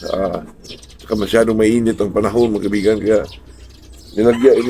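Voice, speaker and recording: A man is speaking, and background noise can clearly be heard. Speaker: backyard poultry breeder vlogger. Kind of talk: casual vlog talk. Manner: halting, many fillers.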